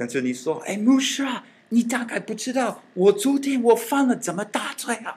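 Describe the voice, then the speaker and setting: This man's pitch is extremely high, with ordinary variation. He keeps a moderate pace with hardly any pauses. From United States. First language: English (speaking Chinese). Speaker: pastor. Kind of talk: church teaching class. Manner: halting, many fillers.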